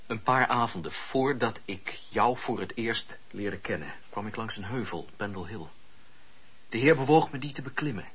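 A man playing a fervent visionary preacher in a Dutch radio play, speaking solemnly and in measured, declamatory phrases with a husky voice. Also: lowish voice, expressive, a bit bright. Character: fervent, visionary male preacher of faith and miracles. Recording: dull, muffled old radio-play recording.

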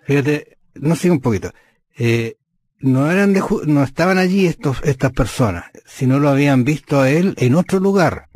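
A man's voice: a little high, animated, normal speed, a little mellow, no room sound. A man co-hosting a conversational Bible lesson, thinking aloud with frequent hesitations. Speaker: Bible study co-host.

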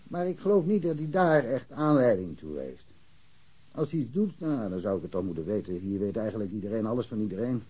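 A man's voice: on the low side, sing-song, fairly quick, mellow, slightly rough. An actor playing a talkative, blunt village policeman who speaks colloquially and with confidence in a naturalistic radio drama. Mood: wry, knowing. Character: chatty, blunt village policeman, worldly-wise and sure of himself.

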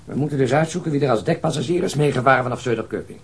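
An actor playing a blunt, sardonic police detective in a Dutch radio drama. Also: male voice, mid-range voice, very fast, creaky, breathy edge. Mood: insistent. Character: sardonic male police detective commenting on evidence film.

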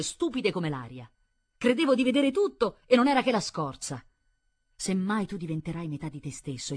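Woman voicing a scheming nobleman, commanding, bitter, husky, audiobook. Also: mid-range voice, darkish tone, no room sound, voice pushed up, lightly acted. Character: cold, scheming nobleman, half a man. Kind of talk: audiobook reading.

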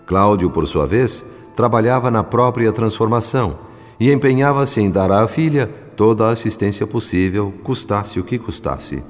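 Deep, reverberant Brazilian narrator. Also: male voice, expressive, moderate pace, soft background music. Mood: solemn, reflective. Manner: solemn, formal, literary. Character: earnest, reflective male spirit narrator. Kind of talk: scripted radio drama narration.

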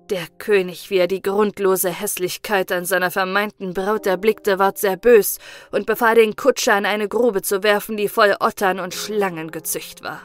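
Calm woman reading a fairy tale. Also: mid-range voice. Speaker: narrator. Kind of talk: scripted fairy-tale narration.

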